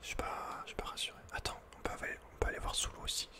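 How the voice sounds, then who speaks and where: Male, fully whispered and breathy, for laid-back, slangy video game ASMR close on the mic. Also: rapid-fire. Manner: casual, slangy, muttering to himself. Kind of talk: whispered ASMR gameplay commentary. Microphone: close microphone.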